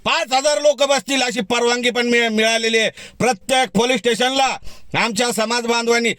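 A man speaks straight to the listener in a heated, defiant rebuttal. His voice is high and bright, and it comes through dry and close with no room around it. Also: steady tone, moderate pace, no room sound. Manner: defiant, heated, direct address. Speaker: community activist. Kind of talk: fiery video rebuttal.

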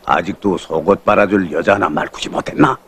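An actor playing a fatherly North Korean party secretary in his sixties, a calm old veteran with a husky voice. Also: low voice, a little fast. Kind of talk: film drama acting.

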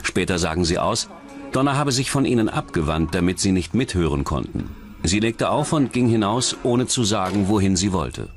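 A man reading scripted true-crime documentary narration in a measured, serious manner. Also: deep voice, expressive, a little hiss or hum. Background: background music.

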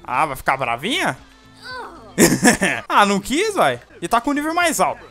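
A man's voice: high-pitched, huge pitch swings, measured pace, pushed and bright, soft background music. A young Brazilian man with a Brazilian Portuguese accent, giving casual, jokey gameplay commentary and talking to the game characters. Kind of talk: casual let's play commentary.

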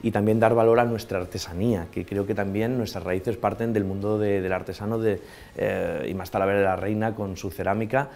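Low gravelly chef, enthusiastic. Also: male voice, fairly even intonation, brisk, a little mellow, slight background noise. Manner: enthusiastic, nostalgic. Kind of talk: interview talk. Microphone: lapel mic.

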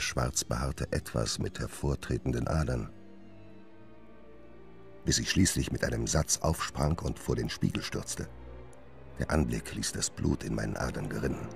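A tormented gentleman doctor with an extremely deep voice. He confesses in measured, formal, literary phrases, a grave radio play monologue with music behind him. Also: creaky, full character voice. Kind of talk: dramatic first-person monologue in German radio play.

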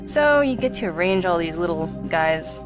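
A woman's voice: fairly low pitch, animated, normal speed. A woman giving casual, joking video game commentary as the host, with a wry manner. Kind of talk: casual let's play commentary. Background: game music.

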